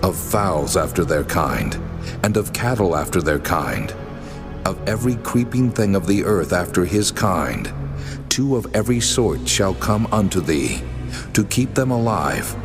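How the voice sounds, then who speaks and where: Man as deep, reverberant, solemn voice of God. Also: sing-song, heavily acted. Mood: solemn, commanding. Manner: solemn, declamatory, measured. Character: God, a mighty male deity commanding solemnly. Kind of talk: dramatized scripture reading. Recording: long hall reverb, music underneath. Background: music.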